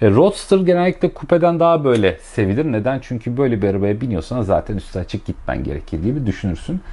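A man speaks in a dark, mellow tone with vocal fry. His pitch swings very widely. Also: fairly quick pace. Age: 30s. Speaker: YouTuber, die-cast model car collector; YouTuber. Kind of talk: video review. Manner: casual, conversational. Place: home room.

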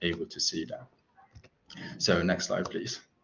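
A man talking at a moderate pace. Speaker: data analyst. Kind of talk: webinar presentation. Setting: video call.

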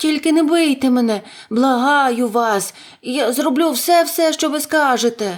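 In a put-on character voice, a woman talks shakily in a high pitch at a fairly slow pace. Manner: trembling, begging.

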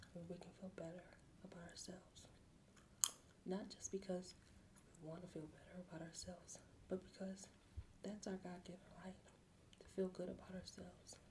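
Soft-spoken and somewhat breathy, the voice has a dark, mellow, soothing tone and monotone, flat intonation over noticeable background noise. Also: woman. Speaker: ASMR creator. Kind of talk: ASMR relaxation and affirmation talk. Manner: soft-spoken, soothing. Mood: warm, reassuring. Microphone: studio mic.

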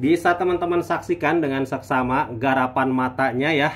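Animated in tone, a man speaks at a moderate pace with ordinary pitch variation. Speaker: knife and machete seller, channel host. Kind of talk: street seller pitchman: a product-review video sales pitch. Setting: video recorded at home or shop, product shown to camera. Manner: animated, salesy. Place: home room.

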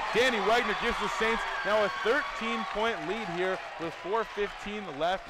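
The voice is raised and projected. Noticeable background noise runs underneath. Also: man. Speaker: radio play-by-play announcer. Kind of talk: live radio play-by-play sports commentary. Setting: radio broadcast booth at the gym with crowd. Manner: fast, excited play-by-play, rattling off passes and scores, laughing at his own slips.

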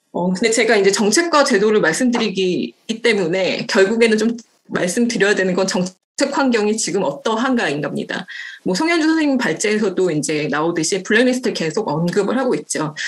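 Very wide pitch swings run through a woman's speech, delivered at a fairly quick pace. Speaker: visual artist and activist; presenter. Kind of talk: presentation. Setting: video call. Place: home room. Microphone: webcam.

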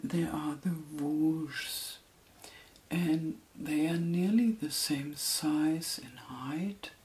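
Soft-spoken and gentle in tone, the voice moves at a very slow pace. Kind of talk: explanatory talk, tutorial-like. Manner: soft-spoken, gentle ASMR voice.

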